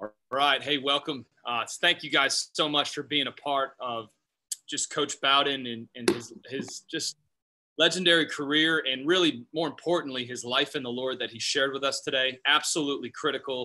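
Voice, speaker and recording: Fairly high in pitch with a bright, sharp tone, a man talks at a moderate pace with fairly even intonation. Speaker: ministry coordinator; ministry event host. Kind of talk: announcement. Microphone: video call.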